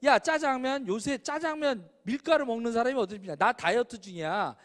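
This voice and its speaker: A man's voice: very high-pitched, a little fast, a bit bright. A man acting out a fussy male classmate who questions every detail, recorded with a long hall reverb. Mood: nitpicking. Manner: questioning, fault-finding. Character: nitpicking analytical male classmate.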